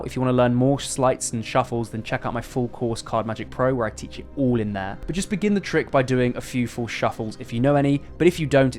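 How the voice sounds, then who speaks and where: A man presenting a casual step-by-step card magic tutorial in instructive, conversational magician patter. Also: mid-range voice.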